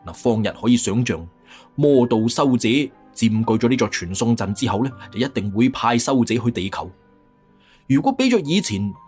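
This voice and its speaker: A male audiobook narrator with a Cantonese accent tells a fantasy tale dramatically. His voice is husky and moves through wide pitch swings, with music playing underneath. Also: darkish tone.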